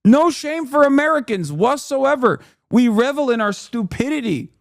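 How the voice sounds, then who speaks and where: A man with a notably high voice hosts a livestream, reacting with sarcastic, profane and animated commentary. He is close to the mic and sounds dry, with no room around him. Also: normal speed, vocal fry, no room sound. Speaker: livestream host.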